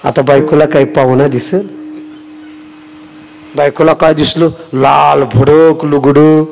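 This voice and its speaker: A man from Karnataka telling a humorous devotional story as a kirtan preacher, with lively, theatrical delivery at a temple festival. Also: on the high side, slow pace, gravelly.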